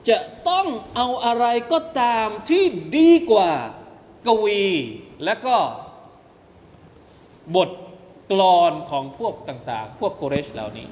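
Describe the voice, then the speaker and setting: Male Islamic teacher, high lively voice, emphatic lecturing, long hall reverb. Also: slow. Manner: animated, rising to emphatic peaks, addresses listeners as brothers. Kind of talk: Quran commentary lecture.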